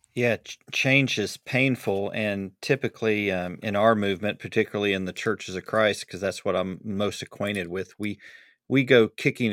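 Speaking in a Southern US accent, a man talks at a fairly low pitch and a moderate pace, in a dry, close sound with no echo on a very clean recording with a silent background. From US South. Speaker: pastor, panelist. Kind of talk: panel discussion.

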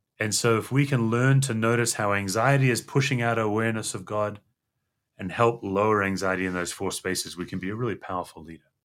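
Very fast speech from a man with fairly low pitch and ordinary pitch variation, in a very clean recording with a silent background. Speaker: author and speaker on leadership. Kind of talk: interview conversation. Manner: explanatory, animated.

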